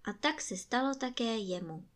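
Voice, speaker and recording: A woman storyteller with a fairly high voice reads a fairy tale aloud. She narrates calmly and at a measured pace.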